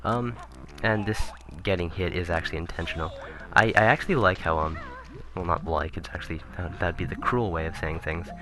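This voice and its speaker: A man commentating casually on a video game he is playing, rambling and correcting himself, his voice turning raspy. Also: low-pitched, steady tone, a little fast, hardly any pauses, a bit bright. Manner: rambling, self-correcting, chuckling asides. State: voice getting raspy. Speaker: let's play commentator. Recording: game music playing behind.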